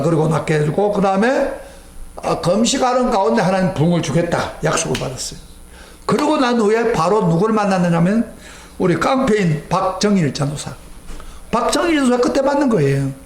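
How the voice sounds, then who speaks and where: A middle-aged man preaching a sermon as pastor, telling stories emphatically and acting out his own prayers, his voice sweeping from near shouts down to low asides. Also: roomy sound. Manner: sweeping pitch, rising near a shout then dropping low. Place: church sanctuary.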